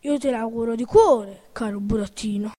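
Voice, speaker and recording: Woman doing resigned philosophical tuna fish, harsh jangly voice, mellow dark tone, storybook. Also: on the high side, moderate pace, close to an everyday voice. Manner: resigned, matter-of-fact. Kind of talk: storybook reading.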